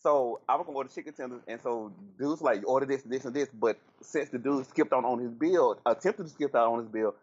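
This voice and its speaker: A man with a Southern US accent, a podcast guest telling frank, crude stories in animated casual chat. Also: mid-range voice, fairly quick, few pauses, lo-fi sound. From Southern United States.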